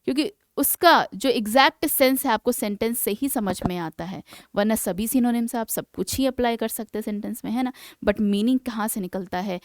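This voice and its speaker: A woman teaching English vocabulary for exam preparation, explaining in Hindi and reading English example sentences slowly and deliberately, often checking in with her students. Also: a little high, no room sound. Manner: keeps checking in with "है ना". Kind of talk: exam-prep vocabulary lesson.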